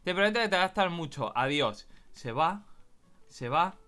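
A young man giving excitable, playful commentary while playing a game. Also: on the high side, moderate pace, clean tone, soft background music. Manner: animated, excitable, shouts and laughs often. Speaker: gaming youtuber. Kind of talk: playful let's-play commentary.

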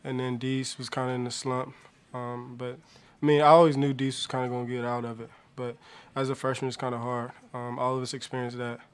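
A young man, a college basketball player, answering postgame press questions softly and with many hesitant pauses, at a table mic in a press room. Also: medium pitch, flat delivery, clean tone. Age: young adult. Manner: soft-spoken, many hesitant ums. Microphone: table mic on stand.

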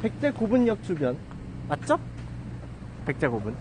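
A man's voice: fairly high pitch, wildly swooping pitch, unhurried, background noise. A man in his thirties chatting casually to a phone held at arm's length as he walks outdoors on a residential street, rambling with self-mocking asides. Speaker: live streamer. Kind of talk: casual walking livestream chat. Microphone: handheld phone at arm's length.

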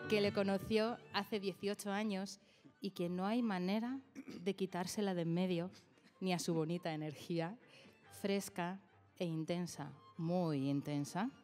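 Mellow-voiced woman reading aloud. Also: on the low side. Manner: measured, affectionate reading. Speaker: reader of a tribute. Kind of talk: reading a written text aloud.

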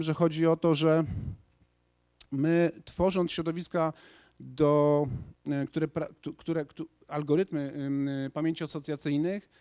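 A man in his thirties giving an energetic conference talk in a large lecture hall, speaking into a handheld microphone with frequent restarts. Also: on the high side. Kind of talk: lecture presentation to an audience.

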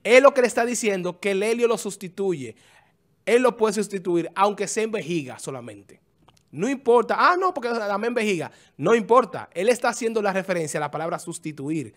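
A man giving casual, animated commentary, explaining things at length and often repeating phrases. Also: high-pitched, fairly quick. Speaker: music commentator.

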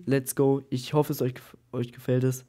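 A man with a cold, hosting a Minecraft let's-play and chatting excitedly with his teammate, repeating himself as he plays. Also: mid-range voice, moderate pace. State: has a cold. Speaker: gaming YouTuber.

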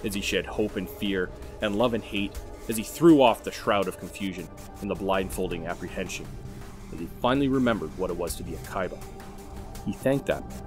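A man reading dramatic scripted narration as a narrator, intense and emphatic. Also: low voice.

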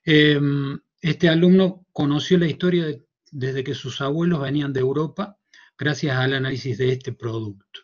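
Hesitant Cordobés professor on a video call. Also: male voice, a little high, normal speed, muffled recording. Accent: Cordobés Argentine Spanish. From Córdoba, Argentina. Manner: thoughtful, hesitant, many fillers and restarts. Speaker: university professor presenting a paper. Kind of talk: conference talk. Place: small room at home. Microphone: headset.

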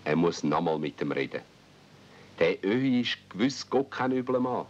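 A man's voice: low voice, big pitch swings, moderate pace. A man with a Swiss German accent narrating a scripted radio play as a storyteller in dialect. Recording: dull 1970s radio-play recording.

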